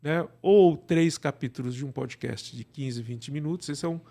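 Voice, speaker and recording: A Brazilian man speaks as a guest in a casual conversation. His voice sits a little high for a man and has plenty of gravelly creak. He gives advice colloquially, digressing and often checking for agreement. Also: normal speed, mellow. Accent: Brazilian Portuguese. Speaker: interview guest, radio drama creator.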